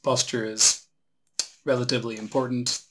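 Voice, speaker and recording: A man guiding a relaxation meditation as a teacher, giving unhurried instructions with long pauses. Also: mid-range voice, flat delivery, a bit bright, slight background noise, rough recording.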